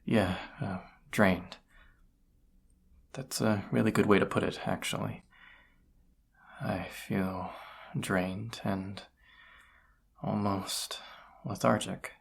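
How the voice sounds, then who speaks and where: Casting: male actor as a weary, awkward incubus roommate for audio roleplay, very low gravelly voice, hesitant delivery. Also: steady tone, a little hiss or hum. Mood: weary, drained. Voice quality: husky, gravelly. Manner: hesitant, halting, soft-spoken, awkward. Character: tired, flustered male incubus roommate confessing feelings. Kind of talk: roleplay audio drama, intimate one-sided dialogue.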